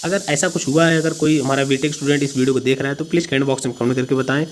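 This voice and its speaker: A man's voice: mid-range voice, fairly even intonation, rapid-fire, a little hiss or hum. Man explaining things to students. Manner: explanatory, emphatic, mixing in English words. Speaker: host of a job-notification video channel. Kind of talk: informal explainer addressed to students.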